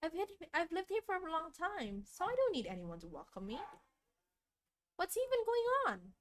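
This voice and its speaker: A woman game streamer reading a visual novel aloud in an expressive, dramatic storytelling style. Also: extremely high pitch, normal speed, background noise. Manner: expressive, dramatic read-aloud with casual asides. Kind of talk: soft storytelling narration. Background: game music.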